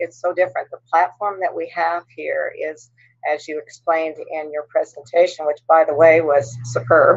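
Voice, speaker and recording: A woman speaks at a moderate pace in a plain, everyday voice, her pitch fairly low with ordinary variation. Her loudness swings widely. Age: 60s. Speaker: network marketing distributor. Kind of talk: interview.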